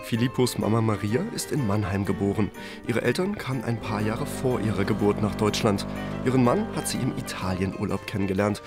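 A man reading a calm, scripted news report narration. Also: on the low side, brisk. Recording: voice-over over music.

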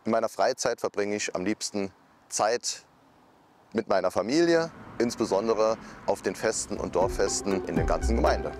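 A man, giving a halting interview statement as a mayoral candidate, with frequent fillers. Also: fairly low pitch, animated, darkish tone, soft background music. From Saarland, Germany. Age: 30s.

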